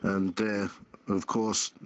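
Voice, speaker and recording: A man's voice: fairly low pitch, little pitch movement, takes it slowly, no room sound. A man in a casual panel discussion of the news, sceptical and full of questions. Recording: muffled lo-fi audio.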